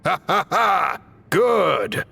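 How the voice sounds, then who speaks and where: A man's voice: high-pitched, lively intonation, drawn-out words, gravelly, sharp tone, slightly rough, heavily acted. A man voicing an earnest, courteous tribal reformer in a video game, with a formal, polite and theatrical delivery. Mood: delighted.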